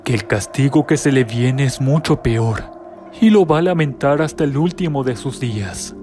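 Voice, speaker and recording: A man voicing a determined young woman who speaks urgently in a hushed tone. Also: mid-range voice, moderate pace, soft background music, lightly acted.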